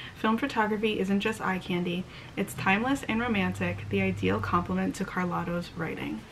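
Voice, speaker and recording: A woman talks at a fairly quick pace. Light background noise is present. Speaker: book vlogger. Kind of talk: reading aloud; casual vlog chat. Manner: bright, even, storybook-style reading of a back-cover blurb; animated, excitable. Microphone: phone near.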